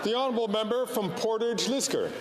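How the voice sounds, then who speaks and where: Quick, high male chair over loud crowd. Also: heavy background noise. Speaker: speaker of the house. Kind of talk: formal procedural announcements. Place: large legislative chamber.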